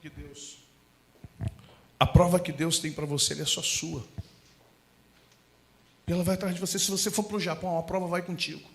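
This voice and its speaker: A man preaching a sermon, telling funny stories with shouted asides and impressions. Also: fairly high pitch, normal speed, long pauses. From Brazil. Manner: animated, humorous storytelling with shouted asides and impressions. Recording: music playing behind the voice.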